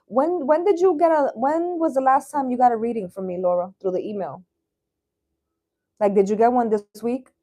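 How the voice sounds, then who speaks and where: Her voice is a little high and darkly toned, moving at a normal speed. She's in her thirties and reads tarot on a livestream, talking casually with slang and a bit of swearing.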